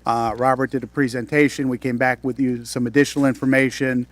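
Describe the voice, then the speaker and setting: Measured man addressing a council. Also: mid-range voice, level tone. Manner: measured and accommodating. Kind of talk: council meeting remarks.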